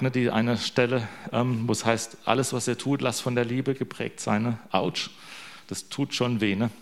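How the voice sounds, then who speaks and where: Male lay preacher, mid-range voice, chatty and joking, tags his lines with questions to the room. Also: mid-range voice. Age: young adult to middle-aged, a father. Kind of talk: informal sermon.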